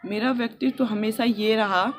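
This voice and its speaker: A young woman from India talking softly and earnestly in a personal vlog, recorded outdoors on a rooftop with a phone on a selfie stick. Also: fairly high pitch, fairly even intonation, moderate pace, a little hiss or hum. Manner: earnest and heartfelt, speaking softly. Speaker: vlogger.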